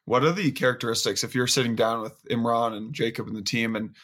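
A man's voice: medium pitch, steady tone, quick pace, fairly bright tone. A man hosting a podcast interview, chatty and asking long questions. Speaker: podcast host. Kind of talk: casual interview chat.

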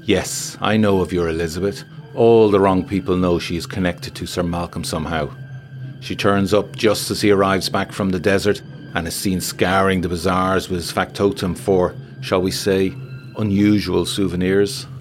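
A man's voice: low voice, fairly even intonation, moderate pace, soft background music, natural voice. A man voicing a worldly, theatrical woman intriguer in an adventure story, giving grave, insistent warnings in formal phrasing.

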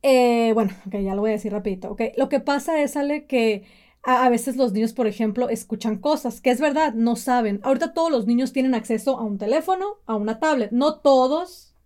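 Woman in her 30s, podcast co-host, lively, acts out quotes, slightly high voice. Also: brisk. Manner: animated, acts out quoted parents in a mocking voice. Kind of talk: casual chat.

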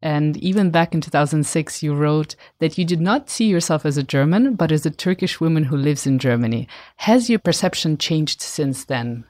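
A woman's voice: low-pitched, expressive, normal speed, hardly any pauses, darkish tone. A woman interviewing a guest, asking reflective questions.

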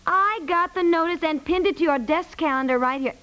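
A woman's voice: extremely high pitch, fairly quick, bright, forceful tone, poor audio. A woman playing an exasperated, wry housewife and new mother in a 1950s radio comedy, scolding with emphatic delivery. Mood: indignant, exasperated. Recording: slightly aged 1950s radio recording.

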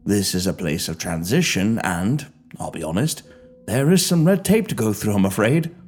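A man voicing a kindly, breathy old afterlife host. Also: lowish voice, expressive, moderate pace, soft background music. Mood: reassuring. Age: older. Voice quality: gentle, courteous, soothing. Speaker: character in an audio story.

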